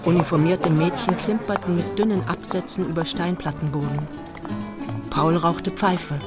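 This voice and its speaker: A woman's voice: fairly low pitch, fairly even intonation, moderate pace, loud music behind the voice, natural voice. A woman playing a detached, matter-of-fact literary narrator in a radio drama, reading precisely.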